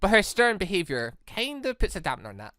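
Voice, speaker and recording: A man's voice: high voice, huge pitch swings, quick pace, pushed and bright, no room sound, clean studio sound, heavily acted. A man voicing a cheeky, harmless young man, the flippant and wry hero of a visual novel. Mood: upbeat musing.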